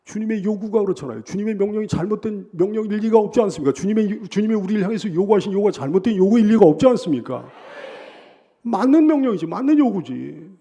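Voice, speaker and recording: A man's voice: high-pitched, animated, fast, hardly any pauses, warm tone. A middle-aged male pastor preaching a sermon, restating his points and building to emphatic bursts. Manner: repeats and restates phrases.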